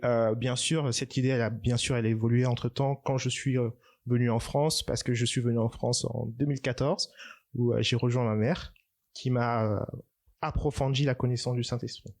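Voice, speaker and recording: A man talking as a podcast guest about his own experience, halting and correcting himself as he goes. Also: medium pitch, fairly even intonation, a little mellow. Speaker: podcast guest, church member. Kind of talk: personal testimony in conversation.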